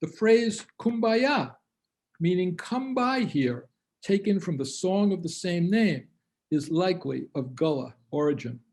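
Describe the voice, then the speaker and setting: A man narrating a travel lecture over slides, in measured phrases that often start on a lift and settle down. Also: high-pitched, expressive, darkish tone.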